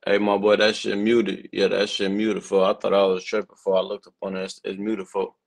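A man's voice: on the low side, monotone, brisk, vocal fry. A man in casual livestream chat as a guest rapper.

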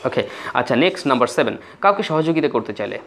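Bangladeshi guy teaching english phrases, says everything twice, spells stuff out, mid pitch. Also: expressive, fairly bright tone, a little hiss or hum. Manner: repeats each phrase slowly, spells words letter by letter; acts out little everyday scenes. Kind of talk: classroom-style lesson.

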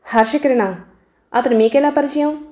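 A woman reads the part of an infatuated young student, eager and pleading, in a mellow, fairly high voice. He pours out his devotion in an audiobook-novel scene. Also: normal speed, close to an everyday voice. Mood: earnest.

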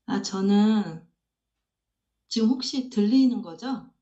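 A woman's voice: mid-range voice, slow pace, dark tone, lo-fi sound. A woman student confessing candidly in a question session, hesitant with many fillers and sheepish laughs, over a remote call line.

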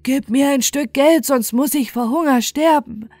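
A woman's voice: high-pitched, measured pace, a little mellow, no echo, clean studio sound, pitched above the performer's own voice. A woman voicing a desperate, starving outcast beggar in a fairy tale, pleading urgently.

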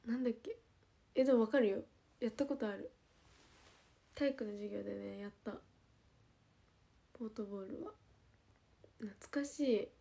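A young woman with a Nagoya accent, chatting casually with viewers on a livestream and letting her phrases trail off softly. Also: fairly high pitch, normal speed, gravelly, pauses often, slightly rough. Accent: Nagoya dialect. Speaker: idol livestreamer.

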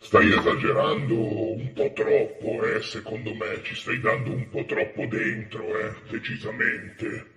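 A man plays a sly, smug male devil calling up from below, heard through a phone on speakerphone with an echoey sound. He keeps his low voice flat and mocking and slips into a near-whisper. The comic phone call is staged for a web show. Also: unhurried, gravelly, few pauses, heavily acted. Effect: heard over a phone on speakerphone.

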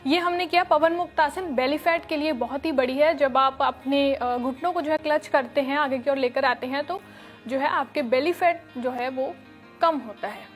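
A young woman teaching yoga in a studio, giving calm step-by-step instructions with many fillers, on a lapel mic. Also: sits high, moderate pace, faint music behind. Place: studio with red floor and dark curtains.

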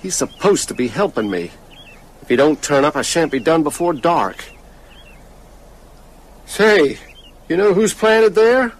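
An actor playing a plain-spoken, folksy small-town gravedigger with a husky voice in a radio drama. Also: male voice, fairly high pitch, big pitch swings, unhurried, pauses often, full character voice. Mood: matter-of-fact.

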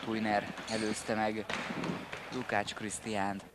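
A man's voice: on the low side, monotone. A man giving play-by-play sports commentary in short, clipped calls. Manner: terse, clipped calls of players' names. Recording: noisy indoor sports hall recording. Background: sports hall noise, bouncing ball.

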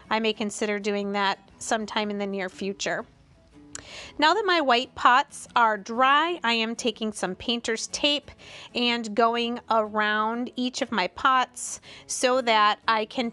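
A middle-aged woman narrating a home craft tutorial in a voice-over, calm and explanatory with small chatty asides. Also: a little high.

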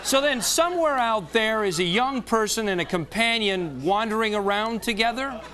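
An American actor playing an earnest, solemn TV news anchor in a parody, with a formal, straight-faced delivery. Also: male voice, high-pitched, expressive, moderate pace, bright, forceful tone, a faint crowd. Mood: earnest, concerned. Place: TV news studio desk. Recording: faint noise, audience laughter.

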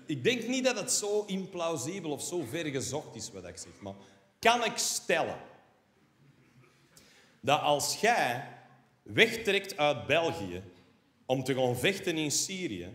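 Ranting Flemish comedian in a hall. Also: male voice, fairly high pitch, slow pace, long pauses. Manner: ranting, animated, sarcastic asides with tag "hè". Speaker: stand-up comedian. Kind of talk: stand-up comedy routine. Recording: roomy hall reverb from a live stage.

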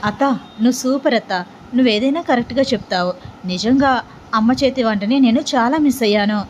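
A woman voicing a calm, sarcastic young man who needles his cousin in an audio story. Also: on the high side, a little fast, lo-fi sound, a little hiss or hum, close to an everyday voice. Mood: fond.

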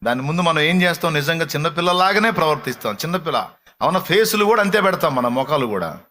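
A man's voice: expressive, fast talker. Pastor man preaching with rhetorical questions. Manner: conversational, full of rhetorical questions; swings between soft, low asides and raised, pleading exclamations. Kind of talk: sermon.

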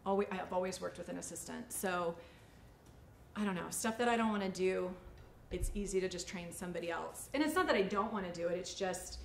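A woman's voice: fairly low pitch, a little fast, creaky. A woman in her forties, a salon owner, talking casually and chattily as she teaches during a demonstration. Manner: chatty, informal. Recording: echoey studio room, faint ambient noise.

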